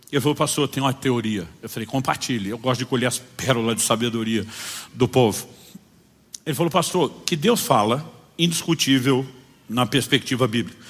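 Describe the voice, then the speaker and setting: Stories drive this pastor's sermon as he animatedly plays out each anecdote and voices its characters. His voice is mid-range and husky, and the sound has the long reverb of a hall.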